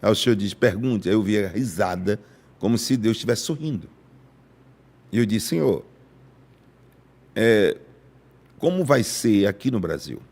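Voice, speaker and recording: A man from Brazil preaching a prophetic sermon on a live stream, fervent, dropping to hushed tones and rising to booming cries. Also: animated, unhurried, pauses often.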